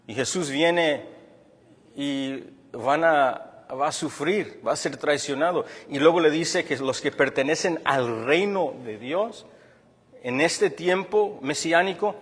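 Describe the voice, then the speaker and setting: A man from Chicago preaches with a slightly raised pitch, working through his points earnestly and stopping to restart his phrases. His voice carries a long reverb from the church hall around him. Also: husky. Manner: earnest and explanatory, with frequent restarts and fillers. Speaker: pastor. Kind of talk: sermon.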